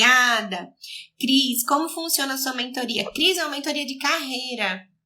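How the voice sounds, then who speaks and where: Bright, sharp tone in a raised, projected voice. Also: woman, high pitch for a woman, ordinary pitch variation, moderate pace. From Bahia, Brazil. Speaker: educational psychologist and mentor. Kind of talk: live stream chat answering viewer questions. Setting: live stream. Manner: talkative.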